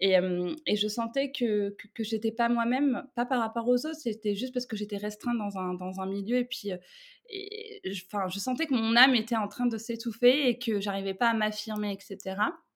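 A plain, everyday voice with ordinary pitch variation comes at a moderate pace in a very clean recording with a silent background. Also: woman, fairly high pitch for a woman. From Paris, France. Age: 30s. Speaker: digital communication freelancer and traveller. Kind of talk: interview.

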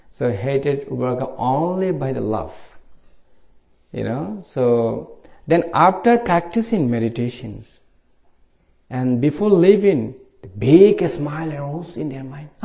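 A man speaks at a very slow pace with long, frequent pauses, his somewhat breathy voice fairly high in pitch and dark and mellow in tone, with very wide pitch swings and big swings in loudness. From Bangladesh. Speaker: Buddhist monk and meditation teacher. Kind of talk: dharma talk. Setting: meditation center retreat.

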